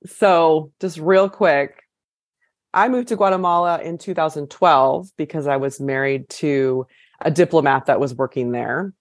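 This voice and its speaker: Interview guest: low-pitched woman from California, talkative and loose, dry close recording. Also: a little slow, no echo. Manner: chatty, with frequent fillers and restarts. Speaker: chef and author guest. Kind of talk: casual interview conversation.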